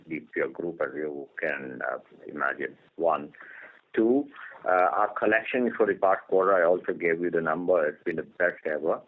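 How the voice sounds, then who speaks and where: Deep-voiced man on a phone line. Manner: methodical, point-by-point. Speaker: finance executive. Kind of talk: earnings call answers. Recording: narrow telephone conference line.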